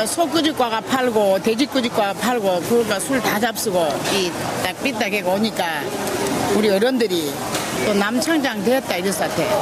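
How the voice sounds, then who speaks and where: A woman is heard with loud noise behind her and long, frequent pauses. The sound is dry, with no echo. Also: moderate pace. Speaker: market vendor. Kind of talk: street interview answer. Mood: amused storytelling. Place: market.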